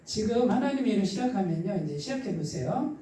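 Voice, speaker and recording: A man preaches in a very echoey church, picked up from some distance. His voice is husky, mellow and a little stifled. He talks to the congregation conversationally, often asking a question and then answering it himself. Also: high-pitched, big pitch swings, a little fast, slight background noise. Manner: asks the congregation rhetorical questions and answers them. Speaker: pastor preaching. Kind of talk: conversational sermon. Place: church midweek service, echoing room.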